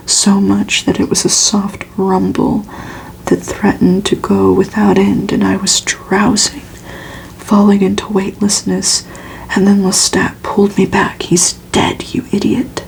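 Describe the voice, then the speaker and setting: A woman reading gothic fiction aloud in a soft, steady, unhurried ASMR whisper. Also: mid-range voice, gravelly, low-quality recording.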